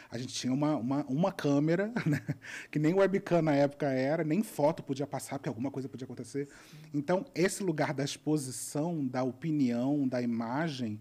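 At a moderate pace, a woman with a very deep, low pitch and a dark, mellow tone speaks with ordinary pitch variation. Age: 30s. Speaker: digital content creator and diversity consultant; digital content creator. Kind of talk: interview. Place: studio. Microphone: studio mic.

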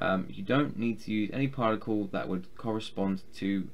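A man with an English accent, fairly low in pitch and fairly slow, with ordinary pitch variation and light background noise. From England. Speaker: YouTuber learning Japanese. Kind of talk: study session reading aloud from a textbook; reading study text aloud. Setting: indoor home recording setup. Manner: casual, rambling. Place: home room. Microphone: webcam.

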